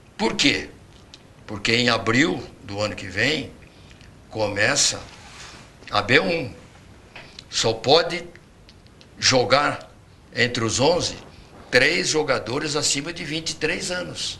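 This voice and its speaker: A man's medium-pitched voice with lively intonation, at a very slow pace with long, frequent pauses and audible room echo. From Brazil, São Paulo state interior. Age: 70s. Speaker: retired sports club supporter. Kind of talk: interview. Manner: hesitant, many fillers.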